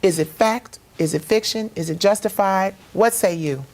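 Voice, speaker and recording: Animated woman hosting a panel talk show. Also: medium pitch. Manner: animated, quick affirmations, steers the discussion. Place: TV studio.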